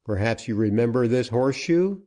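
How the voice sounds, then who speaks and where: A man's voice: medium pitch, animated, normal speed, dark tone, close to an everyday voice. A man voicing a stern male frontier hero who grimly mocks his captive.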